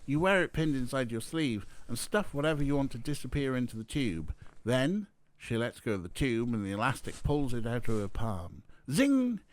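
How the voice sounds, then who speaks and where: Man reading as a confident girl magician, animated. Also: medium pitch, moderate pace, natural voice. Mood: explaining. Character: confident young girl magician, matter-of-fact.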